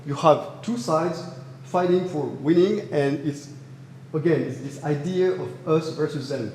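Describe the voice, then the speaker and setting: Young French-accented student presenter, slightly high voice, echoey hall with long reverb. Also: male voice, measured pace, darkish tone, slight background noise. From France. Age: young adult. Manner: earnest, with frequent fillers and restarts. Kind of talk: academic thesis presentation. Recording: roomy hall reverb, faint ambience.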